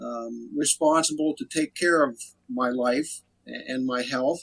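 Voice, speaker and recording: In an American accent, a man talks with a fairly high pitch and a bright, sharp tone. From western Maryland. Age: 60s. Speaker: patient interviewee. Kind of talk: interview. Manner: halting, many fillers.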